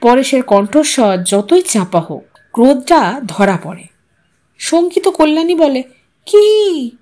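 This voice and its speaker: A woman narrates a literary short story. Her voice is high, with wide, animated swings in pitch. The reading is expressive and scripted. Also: unhurried.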